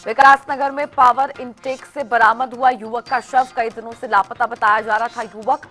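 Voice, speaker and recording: A woman news anchor reading a headline bulletin in a brisk delivery. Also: on the high side, steady tone, bright, forceful tone. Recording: faint music bed behind.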